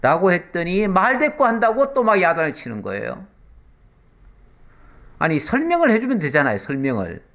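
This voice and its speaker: A man's voice: sits high, very animated, normal speed, vocal fry, pauses often, a bit bright. A male pastor giving a conversational sermon, asking his listeners questions and acting out short quotes as he teaches.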